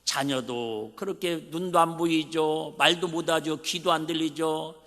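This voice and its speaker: A man's voice: fairly high pitch, unhurried, a bit bright. A man in his fifties with a Jeolla accent, preaching a folksy, conversational sermon full of rhetorical questions. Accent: Jeolla Korean. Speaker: pastor. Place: church sanctuary. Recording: reverberant church hall.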